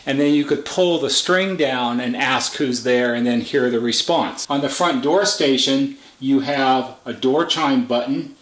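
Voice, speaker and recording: A man with a medium-pitched voice talks through equipment in a roomy, echoing indoor space. His delivery is unscripted and matter-of-fact, explaining each detail as a technician would. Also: a little slow, hardly any pauses, fairly bright tone. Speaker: service technician presenting a product overview. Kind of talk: unscripted product walkthrough. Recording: echoey, roomy indoor sound.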